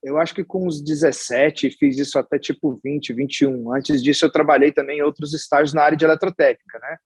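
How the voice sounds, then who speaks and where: A man in his forties with a Goiás accent talks through his life story in a casual interview. His voice is husky and pitched a little higher than most men's. He rambles warmly, restarting phrases and tagging on little questions, and the sound is close and dry. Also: steady tone, a little fast, no room sound. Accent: Goiás Brazilian Portuguese. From Goiás, Brazil. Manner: chatty and storytelling, with many restarts and tag questions. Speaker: guest, hospital executive.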